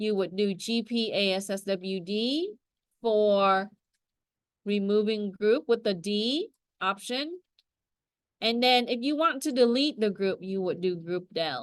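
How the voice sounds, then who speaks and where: The delivery is very slow, broken by long, frequent pauses. Its intonation is lively. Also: woman, medium pitch for a woman. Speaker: college instructor. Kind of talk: tutorial. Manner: casual, conversational.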